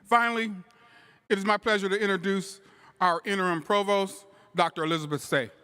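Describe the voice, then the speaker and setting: A man's voice: sits high, steady tone, a little fast, pushed and bright, smooth, big-room sound. Big-voiced man at a ceremony. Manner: strong-voiced, light self-deprecating asides. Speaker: ceremony marshal. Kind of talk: formal ceremony introduction.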